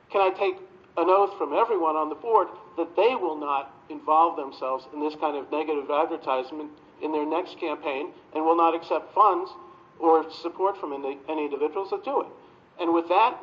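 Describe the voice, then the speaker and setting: A man in his town hall comment slot, questioning the board in a pointed, insistent way. His voice sits fairly high for a man. The sound is muffled and lo-fi, as if caught on an old phone video. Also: normal speed. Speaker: resident addressing a town board. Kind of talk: public comment at a meeting. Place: town hall meeting room.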